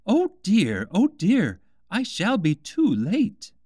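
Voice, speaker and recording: A man's voice: sits high, huge pitch swings, takes it slowly, a little mellow, dry recording, studio quality, pitched above the performer's own voice, full character voice. A man voicing an anxious, flustered white rabbit in a storybook reading. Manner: flustered exclaiming.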